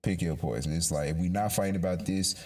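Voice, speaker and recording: A young man with an African American accent and a fairly low voice. He talks like a podcast host in casual chat, loose with slang and free with swearing. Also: quick pace, darkish tone. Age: young adult. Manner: slangy, informal, swears freely.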